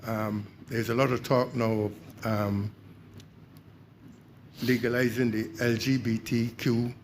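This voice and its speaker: A man's voice: mid-range voice, flat delivery, slow pace, slight background noise. An older man from Barbados, raising points hesitantly at a community meeting. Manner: hesitant, many fillers. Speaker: audience member. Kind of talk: public consultation comments.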